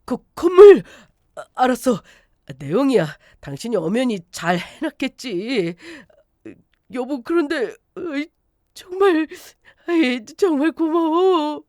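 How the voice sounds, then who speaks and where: A woman's voice: sits high, expressive, slow pace, warm tone, dry recording, clean studio sound, voice pushed up. A woman putting on a whiny greedy husband. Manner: wheedling, fake sobbing pleas. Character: whiny scheming greedy middle-aged husband. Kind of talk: storybook narration.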